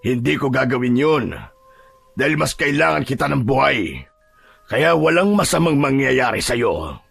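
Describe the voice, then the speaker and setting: A man voicing a calmly menacing aswang monster in a horror audio drama, with a deep, husky, gravelly voice and slow, controlling delivery. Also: no echo, full character voice. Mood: firm, sinister. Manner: slow, measured, coaxing yet firm. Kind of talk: Filipino radio-style horror drama acting.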